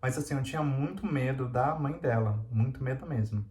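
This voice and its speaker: A man's voice: mid-range voice, moderate pace, darkish tone. A man telling a personal story to camera in a candid, confessional way, with lots of fillers. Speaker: vlogger. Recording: roomy echo.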